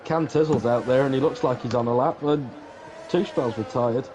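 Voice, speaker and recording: A man's voice: mid-range voice, normal speed, lo-fi sound, noisy background. A man co-commentating on an online racing league with dry, wry humour. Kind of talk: casual sim racing commentary.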